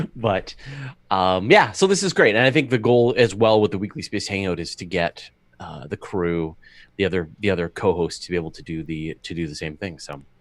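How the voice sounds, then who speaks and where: Against a quiet background, a man with a very deep, low pitch talks at a fairly quick pace with big swings in loudness. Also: ordinary pitch variation. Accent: Canadian. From Canada. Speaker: podcast host. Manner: casual, conversational.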